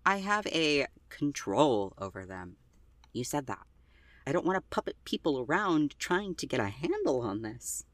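A woman acting in an audio drama as an anxious, gentle twenty-year-old driver, hesitant and earnest, with stammered starts. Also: low-pitched, sing-song, measured pace, no room sound, full character voice. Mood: anxious, distressed.

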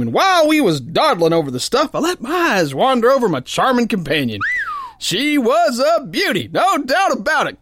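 A man's voice: very high-pitched, a bit bright, no echo, clean studio sound, heavily acted. A man playing a tough, cocky, uneducated sailor boxer who tells his yarn in folksy slang for a radio drama. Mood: folksy, easygoing. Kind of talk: pulp radio drama narration and dialogue.

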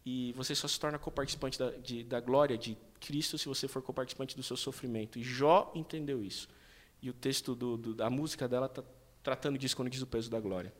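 A man's voice: mid-range voice, fairly even intonation, quick pace. A Brazilian man in his thirties in a casual faith discussion, telling emotional personal stories. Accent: Brazilian Portuguese. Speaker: panelist.

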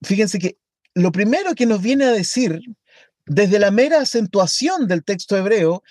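A man with a light, high voice teaches a lesson on a Hebrew text. He talks slowly and deliberately. The sound is dry and close to the mic. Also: lively intonation, a little mellow, no echo. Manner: slow, deliberate, reads Hebrew aloud.

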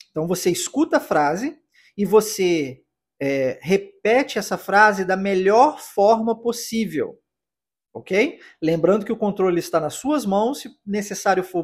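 A Brazilian English teacher with a husky voice, patiently explaining pronunciation step by step in a podcast lesson. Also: medium pitch. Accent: Brazilian Portuguese.

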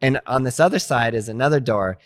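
A man's voice: mid-range voice, a little fast, no room sound, studio quality. A man in his late thirties from Montana, guest in a casual interview, telling stories with lots of fillers and acting out his past thoughts. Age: 30s. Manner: animated, many fillers, acts out past thoughts. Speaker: guest, skateboard instructor.

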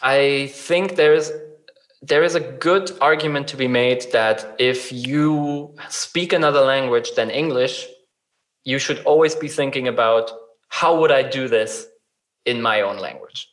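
Man, mid pitch, halting speech full of ums and restarts, explains by example. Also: a bit bright, rough recording. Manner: hesitant, many fillers and restarts, explains with examples. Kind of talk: casual conversation about chatbot design.

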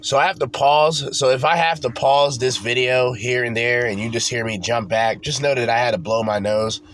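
A man's voice: mid-range voice, fairly even intonation, moderate pace, a crowd in the background. A man hosting his own podcast, stuffed up from a cold, talking in a loose, rambling way and swearing casually. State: congested from a cold. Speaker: podcast host. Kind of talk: casual solo podcast talk.

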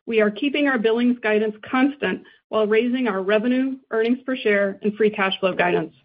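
A woman finance executive reading a scripted earnings presentation in a formal, measured way. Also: mid-range voice. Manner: formal, measured business delivery. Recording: dull, band-limited conference call audio.

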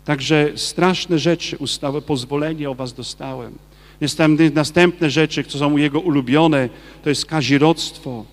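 A man, a Catholic priest, giving a lively sermon and firing rhetorical questions at his listeners. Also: fairly high pitch, unhurried, big-room sound. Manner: acts out quoted people in his talk.

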